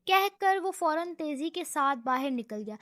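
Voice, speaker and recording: A woman narrating a romantic comedy novel in an expressive, dramatic storytelling voice. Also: sits high, no echo, clean studio sound.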